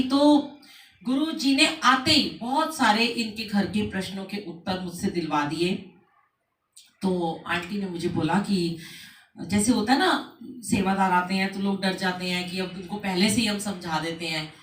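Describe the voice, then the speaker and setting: Recorded from far off in an echoey room, this is a home satsang where a middle-aged woman shares devotional stories. She speaks unhurriedly in a mid-range voice, bringing her anecdotes to life by acting out people's quotes.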